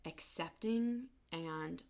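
A young woman hosting a personal podcast, talking in a halting, emotional way and close to tears. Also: on the low side, vocal fry. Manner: emotional, halting, soft-spoken. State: tearful. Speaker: podcast host.

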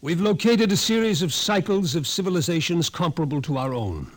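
An actor playing a wry, doom-saying psychology professor in a 1950s radio drama, dry and theatrical, on a vintage recording. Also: male voice, fairly high pitch, animated, brisk. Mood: grave, ominous. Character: scrawny male psychology professor, wry, ominous doomsayer.

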